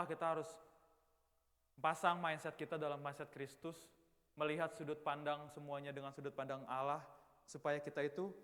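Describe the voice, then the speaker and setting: A man's voice: mid-range voice, a bit bright. A man in his twenties giving a casual, chatty youth sermon in church, talking straight to the young people. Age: 20s. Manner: casual, chatty, banters with the audience. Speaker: youth preacher. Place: church hall. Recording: long hall reverb.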